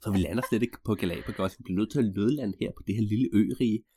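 A man playing a calm airline captain making matter-of-fact announcements. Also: lowish voice, dry recording, close to an everyday voice.

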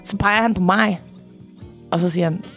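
A young woman from Denmark telling a story excitedly in casual chat, swearing and laughing often. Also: mid-range voice, faint music behind. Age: young adult.

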